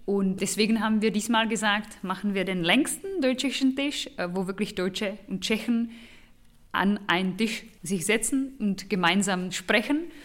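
A woman's voice: medium pitch, normal speed. Czech-born woman, association director. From Czech Republic. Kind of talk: interview statement.

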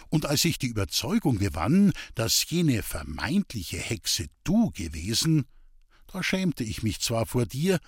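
Male narrator, scripted literary reading, tender and direct, dry husky tone. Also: mid-range voice, no room sound. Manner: tender, speaks directly to the departed.

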